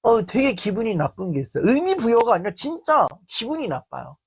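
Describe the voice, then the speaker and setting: Lively, husky-voiced male lecturer. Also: very high voice, fairly quick. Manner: animated, acts out quoted speech. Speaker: lecturer answering a viewer's letter. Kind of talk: talk-show style self-esteem lecture.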